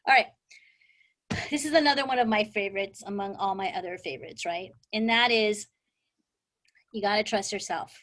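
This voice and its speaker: A woman's voice: mid-range voice, moderate pace, long pauses, fairly bright tone. A middle-aged woman teaching a live exam prep class in a casual, chatty way, telling stories and often asking "right?". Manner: chatty, storytelling, frequent "right?" and "like". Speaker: insurance exam prep instructor.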